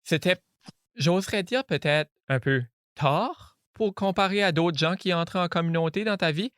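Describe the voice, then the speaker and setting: A man's voice: high voice, normal speed, a bit bright, clean tone, no room sound. A man hosting an interview, asking his questions in a dry, close-miked sound. He listens attentively and keeps the guest going with short murmurs of agreement. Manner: attentive, gives short encouraging backchannels. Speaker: interviewer host.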